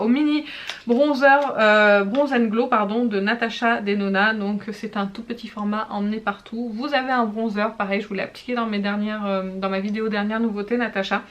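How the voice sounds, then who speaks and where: A somewhat high-pitched woman talks through her makeup favourites in a relaxed review. She rambles in a friendly way, often hesitating and correcting herself as she tries products on camera. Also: a little fast. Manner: chatty, frequent hesitations and self-corrections; demonstrates products while talking. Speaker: beauty vlogger.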